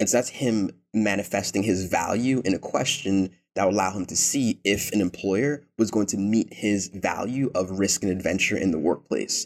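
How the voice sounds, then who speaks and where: A man talks at a moderate pace in an ordinary speaking voice. His pitch is fairly low, with ordinary pitch variation. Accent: American. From New York City. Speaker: career coach. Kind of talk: interview.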